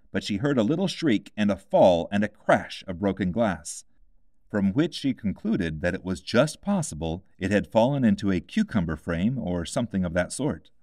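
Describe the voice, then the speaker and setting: Male storybook narrator: lowish pitch, lively intonation, dry close sound. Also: no room sound. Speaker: audiobook reader.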